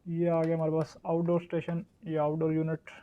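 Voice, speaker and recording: A Pakistani man talks casually through a product demo. His voice sits a little high and stays fairly flat in pitch. There is clear noise behind him as he presents. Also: fairly quick, dull audio. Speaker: shop's product reviewer and presenter. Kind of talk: casual unboxing and demo narration.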